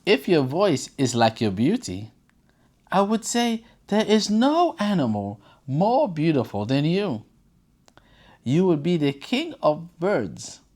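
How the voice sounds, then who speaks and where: Storyteller as sly female fox for a storybook fable: coaxing, drawn-out lines, swooping intonation. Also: medium pitch, sing-song, a little mellow, pitched above the performer's own voice. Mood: sly flattery. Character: crafty, flattering female fox in a children's fable.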